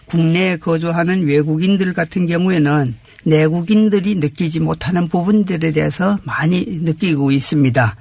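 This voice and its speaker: A man giving polite, measured explanations as a guest in a formal interview. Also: fairly high pitch, vocal fry, a little mellow, dry recording. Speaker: interview guest, community representative.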